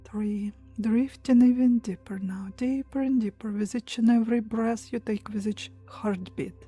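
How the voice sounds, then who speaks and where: A woman leading a guided meditation in a soft, breathy, hushed and soothing voice, pausing between short phrases. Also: fairly high pitch, steady tone, soft background music. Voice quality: soft, breathy, near-whisper at times. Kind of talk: guided meditation, hypnotic relaxation countdown.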